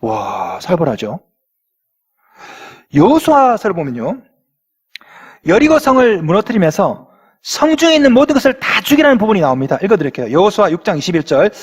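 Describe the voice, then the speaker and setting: A man's voice: high-pitched, big pitch swings, fairly quick, long pauses, slightly rough. A male pastor preaching a sermon in a church, reading scripture aloud and putting questions to the congregation. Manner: asks the congregation rhetorical questions. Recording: long hall reverb in a church.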